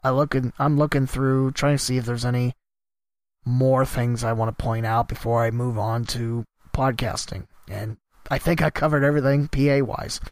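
A man who hosts a podcast and announces sports rambles casually about announcing gigs on a solo episode. His medium-pitched voice is steady and moderately paced, a bit worn from a cough, and it trails off quietly at the ends of his thoughts. The studio sound is clean, with no echo.

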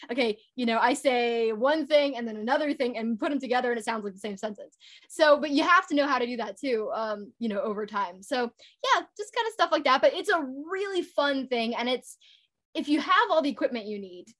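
A young woman with a high voice talks casually as an interview guest. She is chatty and upbeat, and she peppers her speech with fillers and false starts. She works as a voice actor and author. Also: fairly bright tone. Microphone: home recording setup.

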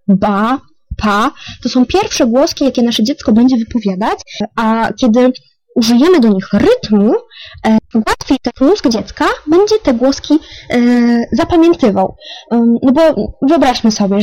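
A woman in her thirties talks parents through rhythm in a relaxed, unscripted way, pausing often with little filler sounds. Her voice sits a touch high, and she drops into quiet counting of beats. The sound is dry and close, with no room around it. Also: dry recording, low-quality recording. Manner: explains calmly with many filler sounds, counts beats softly. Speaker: music educator, podcast host. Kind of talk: casual spoken lesson on rhythm for parents.

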